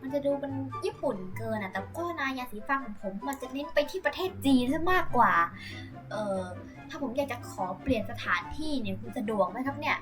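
A performer voicing a fussy male client on the phone who talks politely and hesitantly, with many pauses. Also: sits high, animated, voice pushed down. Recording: music playing under the voice.

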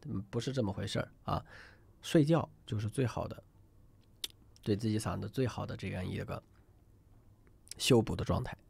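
Gravelly-voiced man teaching singing online. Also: fairly low pitch, normal speed, pauses often, darkish tone. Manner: chatty, asks students to type numbers in chat; rambling with many fillers and restarts. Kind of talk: live online class lecture.

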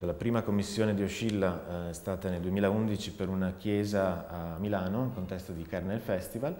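Seated in a dark indoor studio, a performing artist and sound researcher in his forties talks thoughtfully about his art in an interview, often restarting as he gropes for the right phrasing. His voice is deep, his intonation fairly even, and his pace a little fast. The audio has a roomy, reverberant hall quality.

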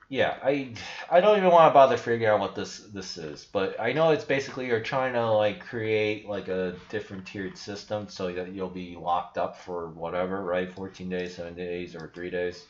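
A man's voice: sits low, slight background noise. A young man hosting a crypto channel, talking casually over a screen share in a blunt, skeptical, rambling way with restarts. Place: small room indoors. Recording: echoey room, dull lo-fi sound.

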